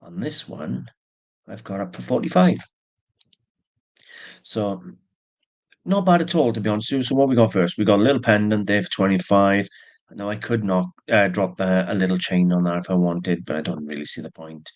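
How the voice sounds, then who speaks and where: Deep-voiced man talking through a jewelry haul. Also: moderate pace, darkish tone. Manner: chatty, plain, with fillers and asides. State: stuffy with allergies, yawning. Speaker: antique jewelry seller. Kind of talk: casual show-and-tell narration.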